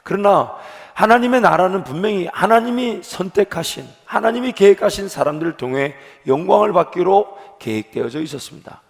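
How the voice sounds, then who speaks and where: Preaching man with a high voice. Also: vocal fry. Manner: earnest preaching, rising with emphasis. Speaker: pastor. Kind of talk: sermon. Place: church sanctuary. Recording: long hall reverb.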